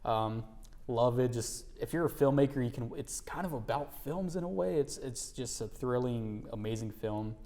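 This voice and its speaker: A man's voice: medium pitch, moderate pace, warm tone. Young male host, casual and upbeat, chatty interviewer. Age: young adult. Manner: upbeat, laid-back, lots of fillers and laughs.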